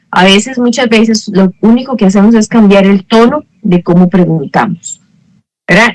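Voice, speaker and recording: Teaching an English lesson online, a woman explains things patiently, checks in with her students, and corrects herself mid-sentence as she goes. Her voice is mid-range, with no room sound, though the audio quality is poor.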